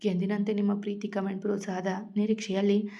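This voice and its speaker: Mellow-voiced woman narrating a story. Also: mid-range voice, level tone, fast talker, muffled recording.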